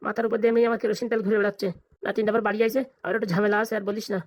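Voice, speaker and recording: Woman playing a fast, blunt old village grandpa. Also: mid-range voice, flat delivery, lightly acted. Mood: stern, bossy. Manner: scolding, blunt, colloquial. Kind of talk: comic cartoon dialogue.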